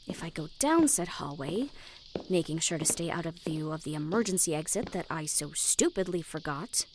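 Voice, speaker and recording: A woman's voice: lowish voice, slight background noise, lightly acted. An actress playing an intense, sweary, perfectionist young woman and protective older sister in a sci-fi audio drama. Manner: muttering to herself, self-critical.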